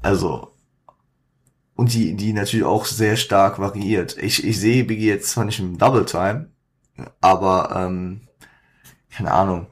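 A man hosts a podcast with a slightly low voice, in casual commentary. He talks haltingly, with fillers and self-corrections, and mixes in English slang. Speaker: podcast host.

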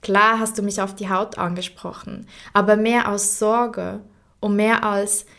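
Soft-spoken young woman, heartfelt monologue. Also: medium pitch, little pitch movement, measured pace, creaky. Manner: heartfelt, speaking directly to a late grandfather; soft and reflective, sometimes dropping to a near whisper. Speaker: podcast host. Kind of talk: unscripted personal monologue.

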